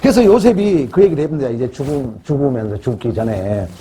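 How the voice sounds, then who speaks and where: A man's voice: medium pitch, lively intonation, brisk, mellow, slight background noise. A middle-aged male pastor preaching a sermon in an emphatic, conversational way, often asking the congregation questions.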